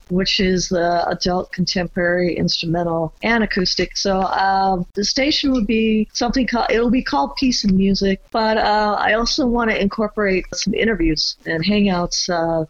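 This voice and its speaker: A woman chats casually as a guest on an internet call. Her voice has a middling pitch, and the audio is very dry and a little muffled. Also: no room sound. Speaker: musician, podcast guest. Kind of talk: casual chat. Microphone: online video call.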